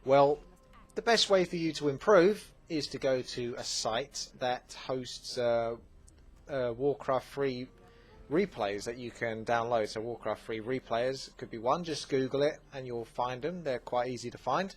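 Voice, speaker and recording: A man with an Essex accent reads out viewer questions and answers them in a relaxed, chatty way. His voice sits in a middle register, and he talks easily, with plenty of fillers. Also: medium pitch, measured pace. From England. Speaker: gaming channel host. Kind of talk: casual Q&A commentary.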